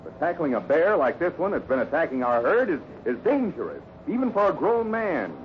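A man's voice: fairly high pitch, sing-song, fairly quick. A man playing a firm, earnest, fatherly ranch foreman in a 1950s radio western. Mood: stern, exasperated. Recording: noisy, muffled old radio recording.

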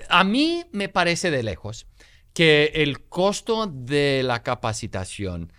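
A man's voice: on the high side, smooth, no room sound, studio quality. A middle-aged man co-hosting a casual advice podcast, asking questions hesitantly with many fillers and restarts. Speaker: podcast co-host.

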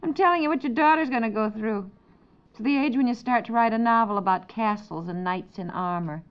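A woman's voice: on the high side, a little fast, clean tone, natural voice. An actress playing a wry, sensible, fretful suburban mother in a naturalistic, conversational 1950s radio comedy. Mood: wry, knowing. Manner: conversational, gently wry, dramatizing her worries. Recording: dull vintage 1950s radio recording.

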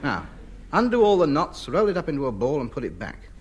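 A man's voice: fairly high pitch, huge pitch swings, fairly quick. An actor in a 1950s radio comedy playing a fussy, pompous man who hoards junk. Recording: old radio recording, noisy.

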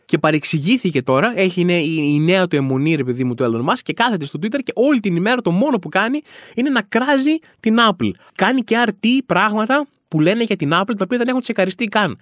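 A man hosts a comedic podcast with a notably high-pitched voice. He rambles through exaggerated, self-mocking rants, with colloquial asides and frequent restarts. The sound is dry and close, with no room around it. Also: lively intonation, a bit bright, dry recording. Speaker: podcast host.

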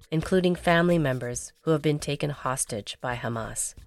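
A woman radio host reading a scripted introduction and then interviewing guests in a calm, gentle, carefully paced way. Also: deep voice, dry recording.

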